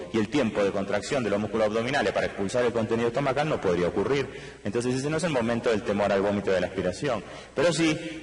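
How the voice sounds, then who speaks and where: A man's voice: lowish voice, roomy sound, in a large hall, rough recording. A man with an Argentine accent giving a medical conference lecture. He explains at length, speaks straight to the audience and throws in rhetorical questions. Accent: Argentine Spanish. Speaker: anesthesiologist lecturer. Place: large conference hall.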